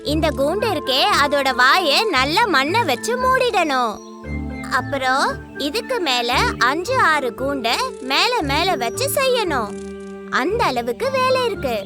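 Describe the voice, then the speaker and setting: A small mother wasp for a children's cartoon. The voice is extremely high and swings about in pitch. It sounds busy and friendly as it explains things, with music playing behind. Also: sing-song, takes it slowly, exaggerated voice. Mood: explaining. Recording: music under the voice.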